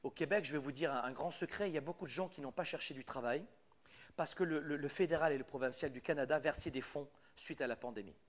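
A middle-aged man with a French accent coaches would-be entrepreneurs live. He talks emphatically and keeps repeating his key points. His voice sits a touch higher than most men's. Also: fast talker. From France. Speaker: business coach. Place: Quebec.

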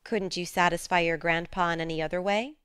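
A woman's voice: lowish voice, fairly even intonation, a little fast, a bit bright, clear, resonant tone, no echo, studio quality, close to an everyday voice. A woman voicing a spirited, sensible teenage girl in a storybook, coaxing and frank. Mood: soothing, curious. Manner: soothing, frank. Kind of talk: storybook character dialogue.

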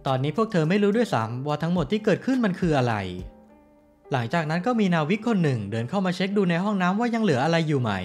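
A man tells the story of a TV series at a quick clip, his voice riding up and down with lively swings. His pitch sits a little higher than most men's, and soft music plays under his chatty narration. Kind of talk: casual scripted recap narration.

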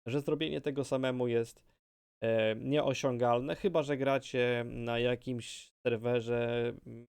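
A man talks casually, as a gaming video creator does. His voice is mid-pitched. The sound is close and dry. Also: fairly even intonation, takes it slowly, darkish tone, smooth, no room sound. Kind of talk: casual commentary.

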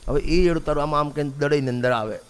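A man's voice: on the high side, quick pace, smooth. A man preaching a sermon, repeating a refrain and putting rhetorical questions to his listeners. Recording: long reverb of a large hall.

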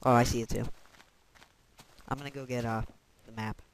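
A man's voice: medium pitch, fairly even intonation, moderate pace, noisy background. Laid-back man chatting over a game. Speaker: let's play host. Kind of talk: casual gaming commentary.

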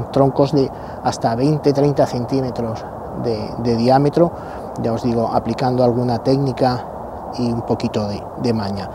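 An older man sits in a sunny pine wood and explains his outdoor tools to the camera, halting often to repeat a word or add a filler. His voice sits at an ordinary pitch and is picked up by a lapel mic, with clear noise from the surroundings behind him. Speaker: bushcraft channel host. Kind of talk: casual outdoor gear talk to camera. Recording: noisy outdoor recording.

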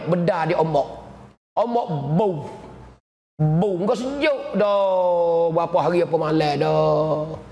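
A man with a Patani-Kelantan Malay accent, a religious teacher preaching a sermon, repeating words and chanting Quran verses slowly. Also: high voice. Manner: repetitive, drawn-out Quran recitation mixed with storytelling. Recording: echoey hall reverb.

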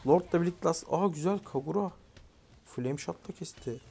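A man commentating his own mobile game match, chatting casually, swearing lightly and shouting orders at teammates. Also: a little high, moderate pace, vocal fry, faint music behind. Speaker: gaming YouTuber. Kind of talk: live gameplay commentary.

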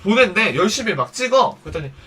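A man casually telling a story on a livestream, swearing a lot and acting out each person's lines in quick back-and-forth. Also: sits high, big pitch swings, fairly bright tone, breathy edge, recorded from a distance. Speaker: livestream streamer.

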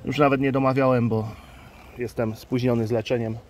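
Unhurried man talking over buzzing hives. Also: medium pitch, level tone, a little mellow, a little hiss or hum. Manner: unhurried, thinking aloud with fillers. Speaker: beekeeper and channel host. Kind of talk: casual hands-on explainer vlog. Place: outdoors at beehives. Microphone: handheld phone camera. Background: faint outdoor ambience with buzzing bees.

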